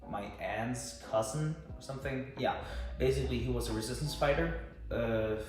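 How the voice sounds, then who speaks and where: A man's voice: mid-range voice, moderate pace, recorded from a distance. A young man with a Danish accent hosts a casual podcast in a second language. His voice comes from a little way off in a strongly reverberant room. Faint music sits behind him as he feels his way toward words. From Aarhus, Denmark. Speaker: podcast host, volunteer English teacher.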